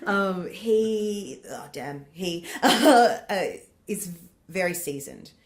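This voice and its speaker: A woman's voice: mid-range voice, lively intonation, takes it slowly. An Australian woman in her thirties, a comedian chatting as a podcast guest, rambling with lots of laughter. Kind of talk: casual interview chat.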